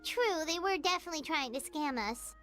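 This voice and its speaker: Childlike fairy mascot, excitable, squeaky, extremely animated, light music underneath. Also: female voice, a little fast. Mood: indignant. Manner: speaks of herself in third person. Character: Paimon, tiny childlike excitable female fairy companion.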